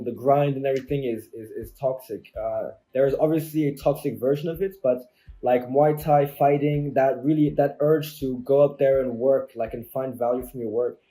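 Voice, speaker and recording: A man in his twenties talking as an interview guest, soft-spoken and reflective, often restarting his sentences. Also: mid-range voice, rough recording. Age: 20s. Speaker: podcast guest, online entrepreneur. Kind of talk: casual interview talk.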